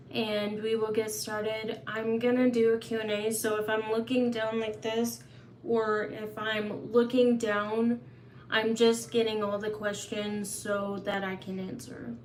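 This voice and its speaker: A woman's voice: mid-range voice, a little mellow, slight background noise. Chatty woman hosting a live Q&A. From Oklahoma. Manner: chatty, open, answers viewers' questions. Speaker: livestream host. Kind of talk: casual live Q&A. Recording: echoey room, faint ambience.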